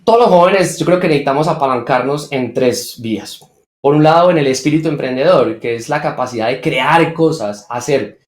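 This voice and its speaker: A man's voice: medium pitch, fairly quick. A young man from Colombia's coffee region with a Colombian accent, answering interview questions with stories as a guest on a video call. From Coffee Axis region, Colombia. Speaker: award-winning social entrepreneur, guest. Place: indoors on a remote video call. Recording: roomy echo on a video call.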